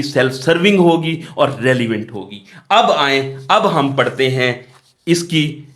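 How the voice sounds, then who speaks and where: Male lecturer, South Asian accent, fairly high voice, very slow delivery, explanatory, repetitive, reads clauses then explains. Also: fairly bright tone. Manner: explanatory, repetitive, asks and answers own questions. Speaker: law lecturer. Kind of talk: exam lecture, reading statute in English and explaining it.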